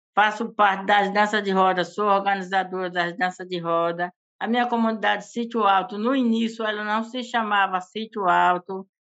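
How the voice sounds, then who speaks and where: Speaking at a moderate pace with hardly any pauses, a woman has an unremarkable speaking voice at medium pitch with fairly even intonation. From Northeast Brazil, rural quilombola community. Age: 60s. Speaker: quilombola elder and folk culture master. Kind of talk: testimony.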